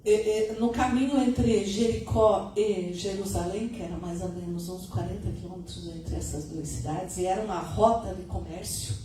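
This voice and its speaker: A middle-aged woman giving a conversational spiritist lecture, her voice still a little hoarse. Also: mid-range voice, steady tone, moderate pace, hardly any pauses, mellow, distant mic, soft background music. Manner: conversational, adds tag questions. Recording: echoey room, recorded from afar, noisy.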